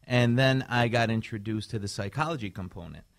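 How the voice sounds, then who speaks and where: A man's voice: on the low side, creaky. A man from Chicago, a mental health clinician, earnestly explaining his path as a radio guest. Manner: earnest, measured, some restarts. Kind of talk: radio interview answers.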